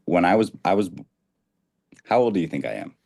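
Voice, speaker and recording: A man's voice: deep voice, big pitch swings, fairly quick, creaky, darkish tone. A man in his twenties calling in to a talk show, earnest and a bit rambling, sometimes losing his train of thought. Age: 20s. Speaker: caller. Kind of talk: casual call-in conversation.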